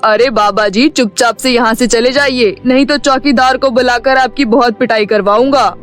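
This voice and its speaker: A man's voice: very high voice, steady tone, moderate pace, fairly bright tone, faint music behind. A man voicing a rude, haughty male customer with a brusque, scornful manner in a children's story cartoon.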